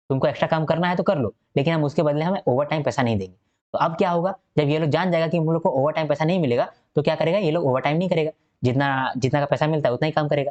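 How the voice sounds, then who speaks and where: A man's voice: a little high, darkish tone, lo-fi sound. A male teacher giving a recorded exam-prep lecture. He explains step by step, repeats key points and keeps checking that listeners follow.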